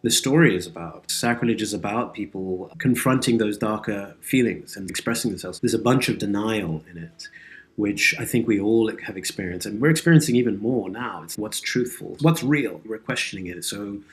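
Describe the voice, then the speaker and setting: A man's voice: lowish voice, moderate pace. A man speaking as an interview guest, reflective, earnest and articulate, like an actor and writer discussing his craft. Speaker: interview guest, actor and audio drama creator.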